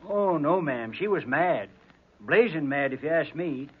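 An actor playing a timid, deferential farm hired hand with hesitant rustic speech in a 1940s radio drama. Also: male voice, on the high side, lively intonation, a little slow, breathy edge. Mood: nervous, gossipy. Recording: thin, lo-fi 1940s radio recording.

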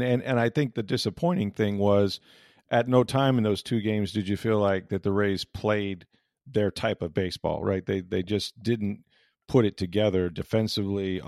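A man's voice: on the low side, darkish tone, no echo, studio quality. A man hosting a sports podcast, discussing games casually and agreeably with his guest. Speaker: sports podcast host, interviewer.

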